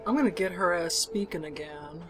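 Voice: mid-range voice, a little fast. A gamer giving irreverent game commentary in a brash manner, swearing heavily, over game sound. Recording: clear background noise from game. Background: game audio with outdoor ambience.

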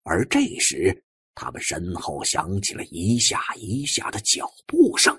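A man's voice: low-pitched, huge pitch swings, unhurried, a bit bright, husky, no echo, clean studio sound. A man narrating a suspense audiobook in a dramatic storytelling style.

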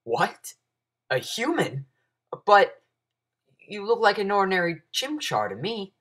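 A man's voice: high-pitched, very animated, a little slow, a bit bright, heavily acted. A man voicing a timid young adventurer with a hesitant, questioning manner. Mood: unsure, nervous. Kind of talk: character voice audition.

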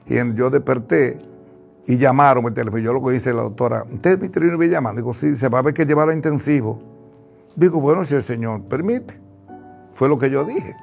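A Dominican man in his sixties telling his life story in an interview, animated, acting out what others said, on a lapel mic in a studio. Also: medium pitch, vocal fry. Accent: Dominican Spanish. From Dominican Republic. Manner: animated, acts out quoted speech. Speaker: interviewee giving a testimony. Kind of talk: emotional personal storytelling. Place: studio with virtual backdrop.

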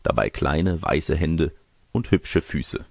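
A man's voice: extremely low pitch, animated, slow pace, gravelly, no echo, clean studio sound. A man narrating a fairy tale from a script as an audiobook reader.

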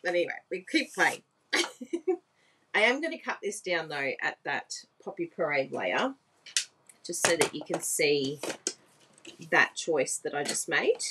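At a desk in an indoor craft room, a woman demonstrates papercraft live, chatting as she works, exclaiming and laughing often, and asking viewers whether they agree. Her deep voice swings widely in pitch, moving a little slowly with frequent pauses and a pushed, bright quality. There is slight background noise.

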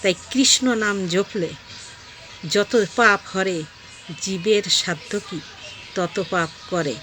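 A woman, talking to her viewers in a vlog. She gives a sharp, preachy rebuke and mixes in devotional chants. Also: medium pitch, slow, soft background music. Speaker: online vlogger. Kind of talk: scolding video monologue.

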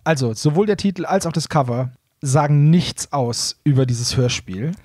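Casting: male podcast host, casual, mid pitch, husky, dry sound. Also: expressive, normal speed, a little mellow, no room sound.

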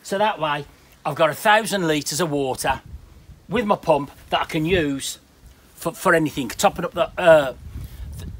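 A man's voice: a little high, normal speed, long pauses. A man from the UK chatting bluntly and rambling to a handheld camera outdoors in his garden. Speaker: smallholder vlogger. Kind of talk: casual chat to camera.

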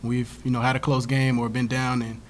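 A young man in his twenties, a college basketball player answering questions at a post-game press conference, halting and repeating words as he talks. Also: medium pitch, level tone, a little hiss or hum. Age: 20s. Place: press room before a sponsor backdrop. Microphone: table mic in front of him.

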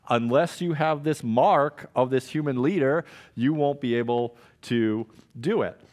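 A man in his forties preaches from a church stage into a headset mic, moving around and gesturing widely. His voice sits at an ordinary middle pitch, and he tells stories with animated energy, voicing his own reactions as he goes. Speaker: pastor. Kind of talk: sermon. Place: church stage with purple backlit wall.

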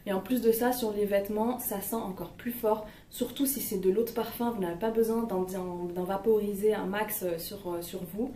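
Her tone is dark and her medium pitch fairly even as she talks at normal speed with few pauses. The casual product review is full of hesitation and fillers, captured at home on a distant mic in a roomy space with faint noise.

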